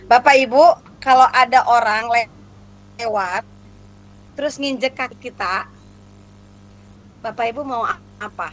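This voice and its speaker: A woman's voice: fairly high pitch, measured pace, long pauses, fairly bright tone, a little hiss or hum. A woman gives an interactive workshop lecture to teachers, playful and constantly questioning her audience. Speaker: lecturer for teacher exam prep.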